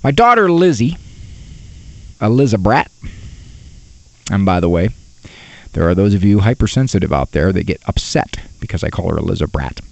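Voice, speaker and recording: A man's voice: sits low, very animated, normal speed, vocal fry, pauses often, no room sound. A man doing a comedy monologue, telling stories with exasperation and mock-formal big words. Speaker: stand-up comedian.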